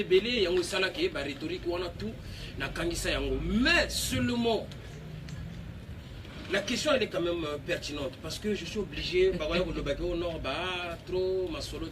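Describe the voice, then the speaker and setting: Halting male guest, distant mic, noisy background. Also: high voice. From Congo. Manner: earnest, hesitant, halting with many fillers. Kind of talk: casual conversation.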